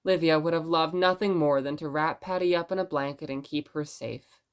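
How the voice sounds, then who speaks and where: A woman playing a presenter who reads stories aloud in expressive narration. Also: sits low, normal speed, clear, resonant tone, lightly acted. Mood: measured, tender. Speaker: narrator and host of the show.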